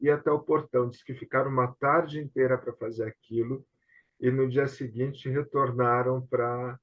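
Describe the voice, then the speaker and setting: A man's voice: mid-range voice, flat delivery, moderate pace. A Brazilian man hosting a casual online conversation, telling anecdotes in a rambling way with frequent tag questions. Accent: Brazilian Portuguese. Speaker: host of an online tribute talk. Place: online video call. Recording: dull, lo-fi video call audio.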